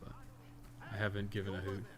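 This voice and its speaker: A man with a fairly low voice talks casually as he streams a game. He rambles from thought to thought and swears freely. There is clear background noise with game ambience behind him. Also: monotone, fairly quick. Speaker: game live streamer, podcast co-host. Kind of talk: casual livestream chat while gaming.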